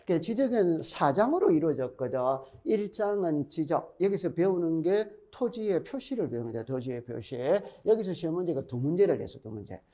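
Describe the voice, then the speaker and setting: A man's voice: fairly high pitch, big pitch swings, moderate pace, few pauses, dark tone, dull audio. Middle-aged man lecturing with Gyeongsang accent. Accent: Gyeongsang Korean. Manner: chatty, repeats key points, quizzes students. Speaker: exam-prep instructor. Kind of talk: recorded classroom lecture.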